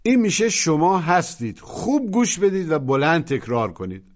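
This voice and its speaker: This man's voice is on the high side, with wild swoops in pitch. He's narrating a language lesson, patiently cueing listeners to repeat after him, captured in muffled, lo-fi audio.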